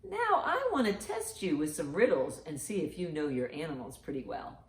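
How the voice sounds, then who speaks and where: With big swings in pitch, a woman's low voice leads a storytime for young children, reading aloud and asking riddles. She speaks at normal speed, encourages them warmly, and overreacts to their answers, all in an echoing room.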